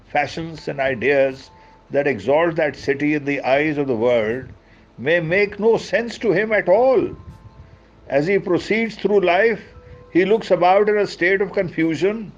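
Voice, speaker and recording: A man with a South Asian accent giving an expressive book reading, with informal asides in mixed languages. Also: on the high side. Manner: expressive, mixes Hindi asides into English. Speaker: storyteller, book reader. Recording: dull, lo-fi sound.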